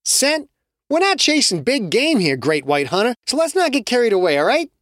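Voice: mid-range voice, very animated, moderate pace, fairly bright tone, no echo, voice pushed up. A narrator voicing an impatient young student who needles others with sarcasm, in a dry, close recording. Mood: mocking.

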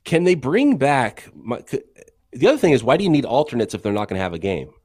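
A man co-hosting a sports podcast, chatting casually and sharing strong opinions with quick asides. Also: medium pitch, sing-song, darkish tone, dry recording. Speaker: podcast co-host.

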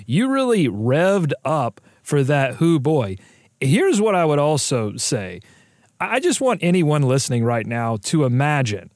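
Wry teasing podcast co-host, dry sound. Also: male voice, medium pitch, darkish tone, no room sound. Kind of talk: casual sports podcast chat.

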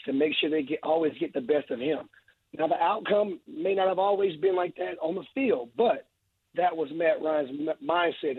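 A man's voice: a little high, slightly rough, no echo. A man, a football analyst guest on a radio show, talking earnestly while he is losing his voice. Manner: earnest, emphatic, repeats phrases. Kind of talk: radio interview, sports analysis. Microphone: phone line. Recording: tinny phone line.

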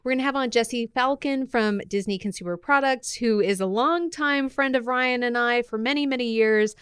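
Female podcast host, crisp resonant voice in a close dry recording, upbeat chatty delivery. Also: a little high, moderate pace, fairly bright tone, no room sound. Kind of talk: upbeat conversational podcast hosting.

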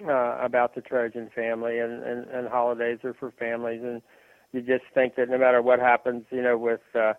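A man talking sports on a radio show, halting and full of fillers and restarts. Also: mid-range voice, monotone, dry recording. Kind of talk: rambling sports talk on phone. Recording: tinny phone line.

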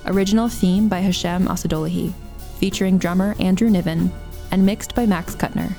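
Mellow woman announcer over music. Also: lowish voice, fairly even intonation, brisk. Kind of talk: scripted podcast credits read.

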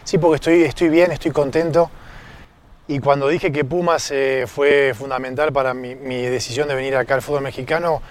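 A man answering as a professional footballer in an interview, measured and repetitive in phrasing. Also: mid-range voice, slight background noise. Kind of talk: post-match interview.

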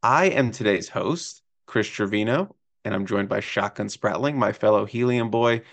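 Gravelly man hosting a sports podcast. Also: on the low side, moderate pace, a bit bright. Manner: playful, teasing. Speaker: podcast host. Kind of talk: casual sports podcast chat.

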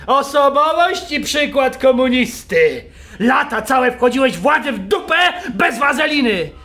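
An actor playing a bitter drunk man who shouts and rants at his family in a radio play. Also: very high-pitched, exaggerated voice. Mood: accusing. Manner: shouting, ranting, accusing. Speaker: radio drama character.

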